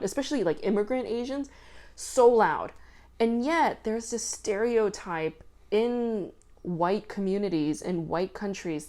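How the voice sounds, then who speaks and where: A woman hosting a podcast, talking loudly and casually with lots of fillers. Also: medium pitch. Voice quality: loud voice. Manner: chatty, filler-heavy with frequent "like" and swearing. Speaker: podcast host. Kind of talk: casual commentary monologue.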